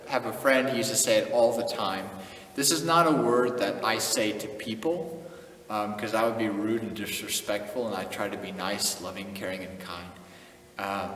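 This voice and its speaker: This channel host, a young man from the US, keeps his vlog talk easygoing, chuckling a lot and tossing in some Afrikaans phrases. He's at medium pitch with a fairly bright tone, caught by a distant mic in an echoey room with faint noise.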